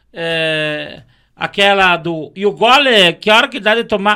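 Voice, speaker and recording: A man projects his voice at a high pitch, with a bright, sharp tone and lively intonation. The recording is very clean, with a silent background. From western Santa Catarina, Brazil (Concórdia). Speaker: comedian and former truck driver. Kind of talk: casual interview chat.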